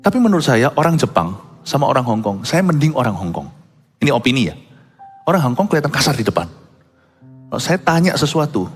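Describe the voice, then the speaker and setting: A male pastor preaching a sermon in a conversational, animated way, acting out quotes and mixing in English words. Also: medium pitch, breathy edge. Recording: long hall reverb, faint background music.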